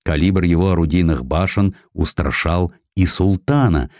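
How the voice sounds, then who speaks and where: A man narrating a historical essay as a dramatic, expressive audiobook reader. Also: low voice, moderate pace, dry recording, clean studio sound. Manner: expressive, theatrical storytelling.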